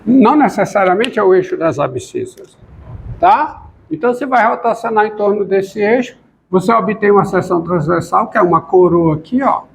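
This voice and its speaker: Lecturer, male, high voice; works through the board aloud, asks the class the same question over and over. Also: expressive, normal speed, vocal fry, slight background noise. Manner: repeats questions to the class, talks while writing. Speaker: math lecturer.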